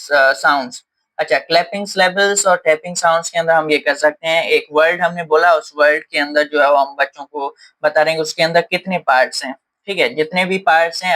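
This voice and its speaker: A man with an Indian accent teaches a lesson, walking through each idea step by step. His voice is bright and forward and sits a little high, and he often pauses on fillers as he goes. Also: poor audio. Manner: explains step by step, with many fillers and Hindi mixed with English terms. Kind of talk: explaining lesson to camera.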